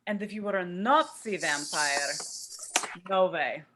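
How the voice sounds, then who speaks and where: A woman's voice: on the low side, a little slow, background noise, close to an everyday voice. A woman playing a blunt, boastful old soldier vampire, talking conversationally in a comedy table read. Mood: matter-of-fact. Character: blunt, boastful former Nazi vampire being interviewed.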